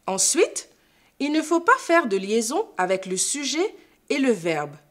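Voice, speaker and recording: A woman's voice: high-pitched, very animated, a bit bright. A woman teacher giving a scripted lesson, explaining carefully and didactically. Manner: slow, careful, didactic delivery. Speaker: French teacher.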